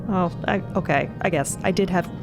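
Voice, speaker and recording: A woman acting an upbeat young space explorer in an audio drama, chatty and casual with a creaky voice. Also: fairly low pitch, a little fast. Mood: eager, fond. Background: music.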